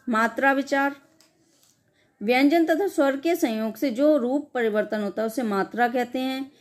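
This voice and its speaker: A woman teaching an exam-prep grammar lesson, reading definitions and then explaining them in a loose, spoken way, often correcting herself mid-sentence. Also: a little high. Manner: frequent self-corrections and "sorry".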